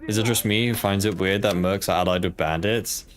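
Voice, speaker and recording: A man's voice: low-pitched, steady tone, fairly quick, very noisy. A young man from Poland with a British accent, chatting casually and hesitantly while streaming a game, with lots of fillers. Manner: rambling, hesitant, filler-heavy. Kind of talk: casual gaming stream chat.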